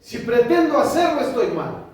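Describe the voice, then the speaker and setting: A man with a Mexican Spanish accent preaching a sermon as pastor, animated, acting out conversations with shifting voices. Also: very high voice, moderate pace. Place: church sanctuary. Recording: echoey church hall, distant mic, faint noise.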